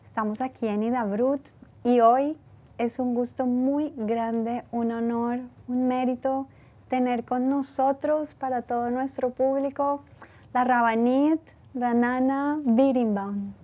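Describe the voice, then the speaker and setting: A woman's voice: on the high side, fairly even intonation, slow, mellow. A woman hosting an interview show, greeting her guest with effusive, courteous welcomes. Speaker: host. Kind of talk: formal interview.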